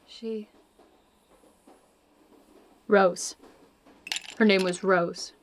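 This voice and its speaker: A woman's voice: mid-range voice, steady tone, very slow, a little hiss or hum. A woman playing a hard-drinking, sardonic spy in an audio drama, blunt and brash, grieving a lost love. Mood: regretful. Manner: sardonic, blunt, foul-mouthed.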